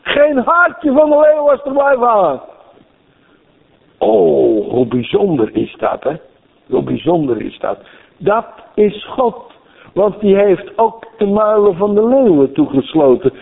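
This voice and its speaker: Over a thin, phone-like radio broadcast, a preacher with a fairly high, creaky voice tells stories in his sermon at an unhurried pace. He stays animated throughout, repeating phrases to drive his points home.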